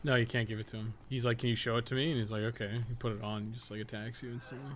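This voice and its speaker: A man with a mid-pitched voice talks through a game as he plays. He thinks aloud in an informal, rambling way and swears casually. There is noticeable noise behind him. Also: flat delivery, racing. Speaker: game streamer and podcast co-host. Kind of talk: casual live gameplay commentary, thinking aloud. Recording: clearly noisy stream audio.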